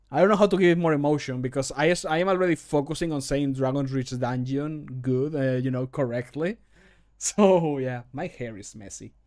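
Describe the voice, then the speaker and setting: A man's voice: medium pitch, normal speed, a little mellow. A man in his thirties, a native Spanish speaker, chatting casually and thinking aloud as he works on a livestream. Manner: self-deprecating, thinking aloud. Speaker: hobby modder and streamer recording voice lines. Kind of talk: casual livestream chat while working. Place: small home room, indoors.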